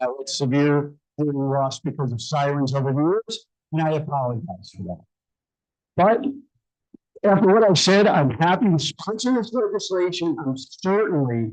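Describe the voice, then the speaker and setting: Lively intonation marks a man's fairly high-pitched voice, which holds a moderate pace. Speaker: city council member. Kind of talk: council meeting remarks. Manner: loud.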